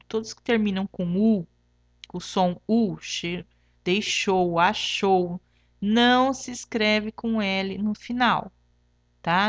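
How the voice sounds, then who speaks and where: A woman's voice: mid-range voice, no echo, highs cut off. A woman teacher with a Brazilian Portuguese accent, patiently explaining a lesson and checking in with "tá?" after each point, spelling examples out syllable by syllable. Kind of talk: remote classroom lesson.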